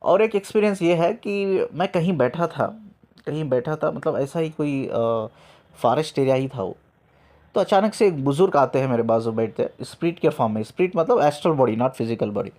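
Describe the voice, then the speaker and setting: A man working as a spiritual coach, telling a story in a lively way. He mixes English words into his talk and repeats himself to stress a point. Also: fairly high pitch, a little fast.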